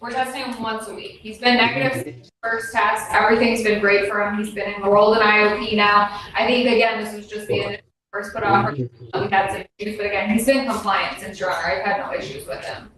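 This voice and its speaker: Female probation officer, formal, brisk, very reverberant courtroom recording. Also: medium pitch, little pitch movement. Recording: very echoey courtroom, distant mic, background chatter.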